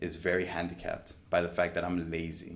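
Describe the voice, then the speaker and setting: With a non-native accent, a man talks at a moderate pace in a very deep, low voice, and the room echo is audible. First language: not English. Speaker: poet. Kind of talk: casual chat.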